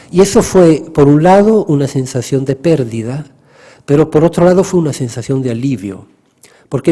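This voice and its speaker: His tone dark and mellow, a man speaks at a fairly high pitch with lively intonation. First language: Italian (speaking Spanish). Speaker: poet and writer. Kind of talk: literary reading with talk. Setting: public library event with audience.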